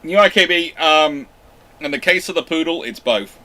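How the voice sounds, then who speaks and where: A man's voice: on the high side, normal speed, bright, forceful tone, poor audio. A man hosting a live naval history Q&A, reading out viewer questions and answering them off the cuff with frequent ums and restarts. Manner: hesitant, many fillers and restarts. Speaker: naval history channel host.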